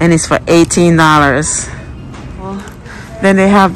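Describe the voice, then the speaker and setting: A woman's voice, dry with no echo, over faint music in the background. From Jamaica. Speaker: shopping haul vlogger. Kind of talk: casual shopping vlog narration. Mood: warm, pleased. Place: shop. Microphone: phone near.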